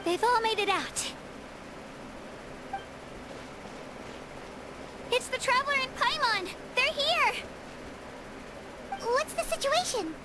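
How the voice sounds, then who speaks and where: A woman's voice: extremely high pitch, animated, unhurried, noisy background. A woman voicing a brave but anxious young girl warrior in an anime game, earnest and girlish. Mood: urgent.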